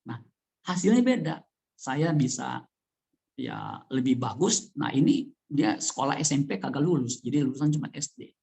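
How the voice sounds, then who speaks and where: Animated pastor. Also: male voice, normal speed, vocal fry. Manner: animated, with wide swings of pitch and loudness; conversational, addressing the congregation directly. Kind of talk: sermon. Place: church.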